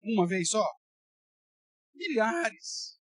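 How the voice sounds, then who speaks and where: A man with a Brazilian Portuguese accent, a pastor teaching a Bible study, preaches an emphatic, colloquial sermon and talks bluntly to his listeners. His voice is high, with big pitch swings and drawn-out words, in a dry recording.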